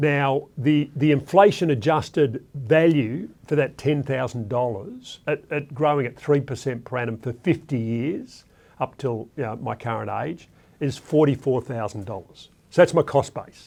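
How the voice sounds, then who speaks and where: A man with an Australian accent, fairly high in pitch, with ordinary pitch variation and a moderate pace. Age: 60s. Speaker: investor. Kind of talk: interview. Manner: halting.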